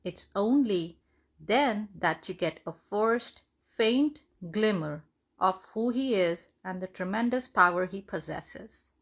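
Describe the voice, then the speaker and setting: A woman reads a devotional testimony aloud in measured, deliberate phrases. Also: mid-range voice, animated. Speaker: devotional reader.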